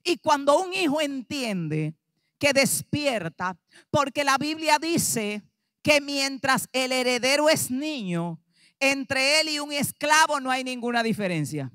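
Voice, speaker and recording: A woman pastor with a Dominican Spanish accent preaching an animated sermon, acting out dialogue and rising to shouts. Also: sits high, takes it slowly, no room sound, studio quality. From Dominican Republic.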